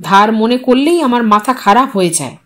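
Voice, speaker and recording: A woman's voice: a little high, lively intonation, moderate pace, natural voice. A woman voicing a stern, angry husband who is short of money, curt and sarcastic, in a dramatised audio story. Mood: exasperated anger.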